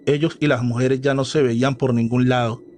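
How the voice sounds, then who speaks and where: A male storyteller reads a scripted horror tale with dramatic delivery. His voice sits at a middle pitch. A faint hiss runs underneath. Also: fairly even intonation, fairly quick, darkish tone. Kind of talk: scripted narration.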